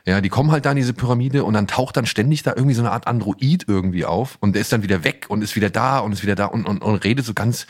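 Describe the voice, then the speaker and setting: A man with a somewhat low voice co-hosts a casual podcast. He tells anecdotes in colloquial language, often hunting for the right word. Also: very fast, few pauses. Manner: colloquial, searching for words. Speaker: podcast co-host. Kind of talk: casual chat, telling anecdotes.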